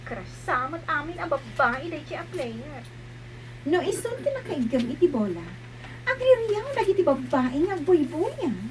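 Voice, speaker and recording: A woman performing lively, emotional dialogue in an Ilocano audio drama. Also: sits high, moderate pace, noisy background.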